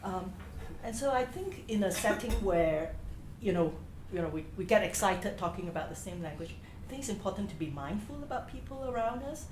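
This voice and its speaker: A woman's voice: medium pitch, animated, a little fast. Workshop participant, woman from Singapore, earnest, roomy noisy sound. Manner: earnest, hesitant, many fillers. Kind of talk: roundtable discussion. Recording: echoey room with background noise.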